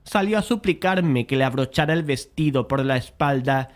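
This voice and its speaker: A man playing a polite, easily frustrated painter who narrates a dramatized horror audiobook in a measured, literary way. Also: mid-range voice, natural voice. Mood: measured, uneasy.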